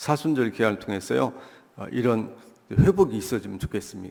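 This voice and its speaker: At a fairly quick pace, a man with a plain, everyday voice speaks with ordinary pitch variation. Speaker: guest pastor. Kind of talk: sermon. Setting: church.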